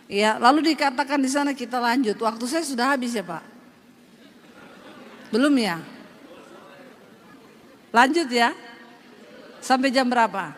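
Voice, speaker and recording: A woman pastor from Sulawesi with a Sulawesi Indonesian accent, preaching a lively, humorous sermon straight to her congregation. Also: high voice. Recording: long hall reverb, faint noise.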